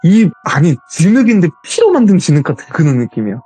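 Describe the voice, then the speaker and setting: A man telling his own ghost story as a guest, in a casual, animated retelling. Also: a little high, fast, husky, dry recording, faint music behind.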